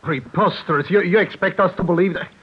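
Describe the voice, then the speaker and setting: An actor playing a pompous, suspicious jewel expert with clipped, demanding speech in an old-time radio thriller. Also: male voice, high-pitched, fairly quick, husky. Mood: indignant. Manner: clipped, indignant, imperious. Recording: dull, hissy vintage radio recording.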